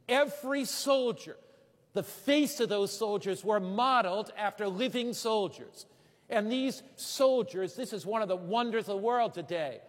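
A man preaching a sermon, dramatic, slowing for emphasis and repeating phrases. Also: high-pitched, in a large hall.

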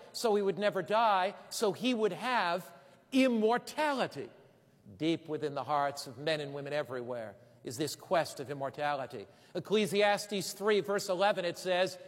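A man preaching a sermon, dramatic, slowing for emphasis and repeating phrases. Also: high voice, fairly bright tone, in a large hall.

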